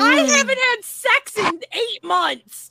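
Using a put-on character voice, the speaker talks at a very slow pace with very wide pitch swings. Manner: aggressive, forceful.

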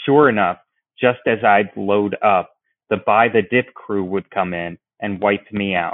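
Pitched fairly low, a man talks at a moderate pace with fairly even intonation. His is an unremarkable speaking voice. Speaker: market commentator. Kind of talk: short market commentary.

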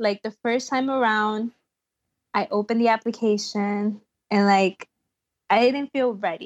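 A woman with a Spanish accent, fairly high in pitch, with fairly even intonation, a fairly slow pace and long, frequent pauses, in a dry, close sound with no echo and a quiet background. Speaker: pre-med student. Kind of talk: advice-seeking conversation. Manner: hesitant, filler-heavy.

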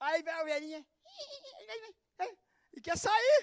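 A woman's put-on character voice, extremely high in pitch, playful in tone and fairly slow in pace. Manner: playful bleating, mocking.

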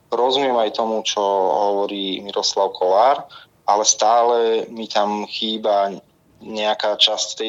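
Here is a man with a normal speaking voice and a medium pitch. He talks at a fairly slow pace with fairly even intonation. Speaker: political scientist. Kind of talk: interview.

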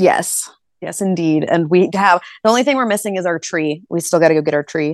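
Over a quiet background, a woman uses an ordinary speaking voice, fairly low in pitch, at a fairly quick pace with ordinary pitch variation. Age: 20s. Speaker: adult performer. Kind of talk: casual chat.

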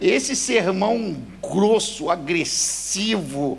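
A man speaks at a high pitch with lively intonation. There is noticeable background noise. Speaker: visiting pastor. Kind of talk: sermon to a church congregation. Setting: church with congregation. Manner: animated, emphatic preacher, stressing key words; direct, audience-engaging, asks rhetorical questions.

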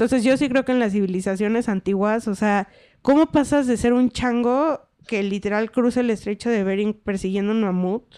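In a dry, close sound with no echo against a quiet background, a woman with a Mexican accent has a fairly high pitch, a dark, mellow tone and ordinary pitch variation. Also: moderate pace. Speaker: podcast co-host. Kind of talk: casual chat.

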